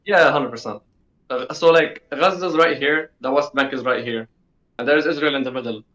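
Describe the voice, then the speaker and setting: A man's voice: mid-range voice, moderate pace, a bit bright. A sixteen-year-old male interview guest from the United Arab Emirates, talking casually and repeating himself for emphasis, over dull call audio. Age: teens, sixteen.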